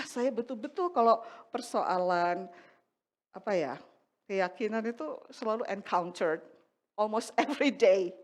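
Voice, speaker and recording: A middle-aged woman preaching a sermon in church, telling a personal testimony and acting out the voices in her story. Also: medium pitch. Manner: animated storytelling, acts out dialogue.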